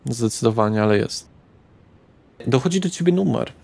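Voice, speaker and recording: A man runs a tabletop role-playing game as its narrator. His voice is of middling pitch, and he sets each scene in a measured, subdued manner. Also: animated, creaky, darkish tone. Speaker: game master.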